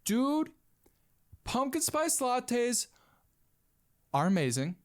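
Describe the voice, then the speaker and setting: A man's voice: extremely high pitch, extremely slow. A man in his twenties hosting a casual solo podcast, rambling and calling everyone "dude". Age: 20s. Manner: rambling, animated, says "dude" a lot. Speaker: podcast host.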